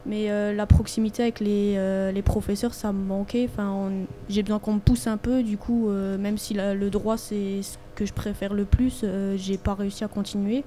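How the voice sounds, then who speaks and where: A woman's voice: mid-range voice, little pitch movement, moderate pace, few pauses, dark tone, a little hiss or hum. A young woman, a student panelist, giving a casual personal account. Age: young adult.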